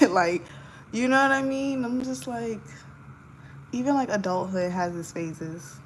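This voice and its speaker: Sketching on stream, a young woman in her twenties chats with her viewers, giggling and using plenty of fillers. She speaks at a measured pace in a fairly high voice. The audio is poor, with a faint hum underneath.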